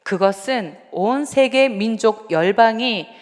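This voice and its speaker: A woman evangelist preaching a midweek sermon in a conversational, animated way, asking the congregation questions. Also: a little high, slow pace. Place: church sanctuary. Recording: long church hall reverb.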